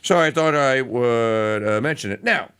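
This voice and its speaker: A man's voice: measured pace, very noisy. A middle-aged man from Louisiana, hosting a casual talk radio show, rambling and digressive with lots of fillers and restarts. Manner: animated pitch swings.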